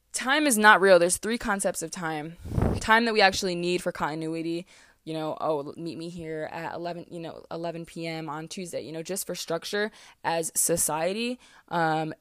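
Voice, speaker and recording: A woman's voice: deep voice, dry recording. Candid young woman, dry close sound. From US East Coast. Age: 20s. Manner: candid, rambling, many fillers and restarts. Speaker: podcast host. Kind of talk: casual solo podcast monologue. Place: closet, small room.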